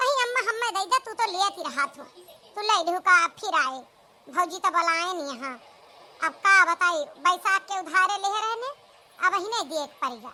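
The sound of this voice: A woman does a cartoonish character voice at an extremely high pitch, her intonation lively and her pace moderate.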